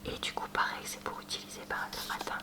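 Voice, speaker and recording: A woman speaking in a soft, breathy whisper, presenting products in an unhurried ASMR unboxing style with hesitant asides. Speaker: ASMR video creator showing purchases. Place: at home.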